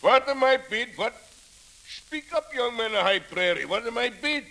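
A man's voice: extremely high pitch, animated, normal speed, vocal fry, pushed and bright, full character voice. A man playing a jovial country auctioneer in an old radio drama, calling bids with chuckling showman patter. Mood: hearty.

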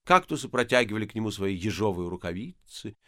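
Lively male audiobook narrator. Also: fairly low pitch, quick pace, no room sound, studio quality. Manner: expressive, lively storytelling. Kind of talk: scripted narration of a novel.

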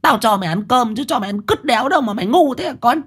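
A man's voice: a little high, very animated, normal speed, vocal fry, breathy edge, voice pushed up, heavily acted. A man voicing a frantic, crude-tongued middle-aged village mother who scolds her son. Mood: furious scolding.

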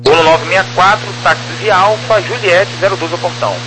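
Clear hum and noise surround an aviation radio transmission from a male air traffic controller. He has a Brazilian accent and a fairly high voice. His clearances come out clipped and procedural. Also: normal speed. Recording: noisy humming airband radio transmission.

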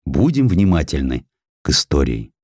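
A man reading a historical essay as a dramatic audiobook narrator, in a measured, emphatic and expressive delivery. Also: a bass voice, no room sound, studio quality.

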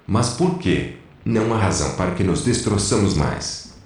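Casting: male actor for a cautious, placating rebel in a radio play, deep pitch, very reverberant. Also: expressive, darkish tone. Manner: measured, placating. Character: weary, cautious male peacemaker among rebels. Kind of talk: audio drama acting. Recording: very echoey space.

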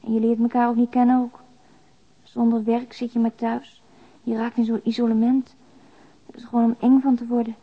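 A woman's voice: on the high side, level tone, moderate pace, long pauses. An actress playing a despairing young single mother who confides in a plain, subdued way, as in a radio drama letter. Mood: weary, resigned. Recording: dull, lo-fi radio drama recording.

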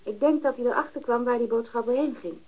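A woman's voice: on the high side, fairly quick, close to an everyday voice. An actress playing a frank, matter-of-fact woman who uses drugs, giving testimony in a radio crime drama. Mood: matter-of-fact, recounting. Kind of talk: Dutch radio drama dialogue. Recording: dull, lo-fi archived radio recording.

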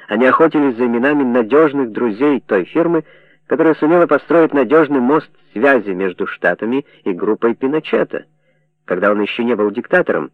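Мужчина читает аудиокнигу ровно и сдержанно. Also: male voice, medium pitch, no echo. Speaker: audiobook narrator. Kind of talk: scripted narration. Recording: dry narrow phone-like sound.

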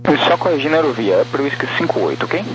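A man's voice: mid-range voice, very animated, very fast. Brazilian male air traffic controller, noisy radio. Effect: aviation radio. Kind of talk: clipped procedural radio instructions.

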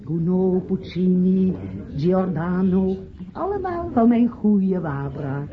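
An actress playing a proud, chatty party hostess in a Dutch radio play, talking in a homely way. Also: female voice, fairly low pitch, animated, slow pace. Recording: dull old radio recording, party chatter behind.

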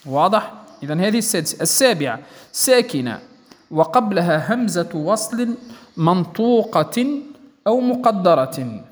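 A man explains recitation rules step by step and keeps checking that his listeners follow. His voice sits somewhat high for a man. The sound carries a long hall reverb. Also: very animated, moderate pace, pauses often. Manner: patient, repeats points and checks understanding. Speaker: Quran recitation teacher. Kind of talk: explanatory tajwid lesson.

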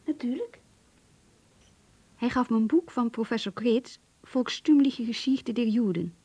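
A woman's voice: fairly high pitch, measured pace, warm tone, slightly rough. An actress playing an eager, curious young Jewish secretary who reads her diary in a Dutch radio play. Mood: polite, curious. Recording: dull, muffled old radio recording.

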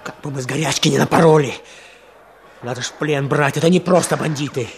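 An actor playing a hot-headed, urgent Red detachment fighter in a Soviet radio drama. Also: male voice, fairly high pitch, fast, gravelly. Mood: cautious. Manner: excitable, urgent, colloquial. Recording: noisy radio play recording with clicks.

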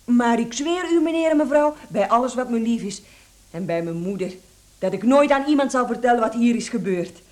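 A woman's voice: a little high, animated, fairly quick, a little mellow, close to an everyday voice. A woman acting a timid, servile housemaid in a radio play, pleading and deferential. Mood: relieved, grateful.

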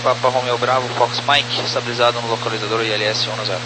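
A man's voice: mid-range voice, little pitch movement, fast, very noisy. A Brazilian man, a pilot, giving brief procedural reports and readbacks over aviation radio.

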